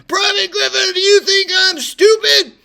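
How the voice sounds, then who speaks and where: An older man voicing a harsh male army drill sergeant who barks orders high and loud. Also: moderate pace, gravelly, exaggerated voice. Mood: yelling. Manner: barking, shouting high and loud.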